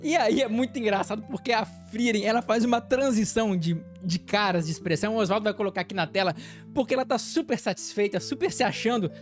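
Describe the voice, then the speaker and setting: A woman with a Brazilian Portuguese accent hosting an anime channel, recapping an episode in an animated, chatty way and laughing often. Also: medium pitch, fast talker, soft background music.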